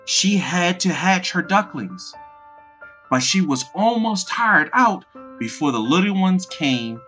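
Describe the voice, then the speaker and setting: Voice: mid-range voice, fairly bright tone. A storyteller reading a scripted fairy tale aloud as narration.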